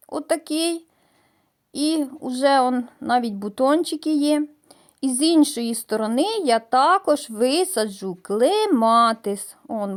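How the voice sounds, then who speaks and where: Chatty middle-aged woman, homely vlog. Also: high voice. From Mykolaiv region, Ukraine. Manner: chatty, homely, many hesitations and fillers. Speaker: gardening vlogger. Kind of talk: casual vlog walkthrough. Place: outdoors in a village garden. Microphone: voice-over added after filming.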